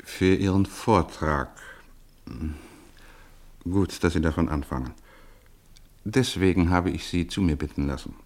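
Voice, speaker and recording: An actor playing a formal, evasive senior hospital professor in a radio play, polite and hesitant in manner. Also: male voice, deep voice, a little slow, long pauses, darkish tone. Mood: awkward, evasive. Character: courteous, evasive French hospital professor, senior male boss.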